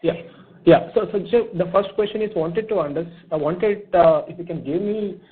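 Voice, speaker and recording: A man's voice: high-pitched, moderate pace. A man asking questions on an earnings call, his voice muffled as if the phone is held away from his mouth, hesitant and full of fillers. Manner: hesitant, with many fillers and restarts. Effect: muffled phone line, as if the phone is held away from the mouth. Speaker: analyst caller on an earnings call. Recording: tinny, muffled phone line.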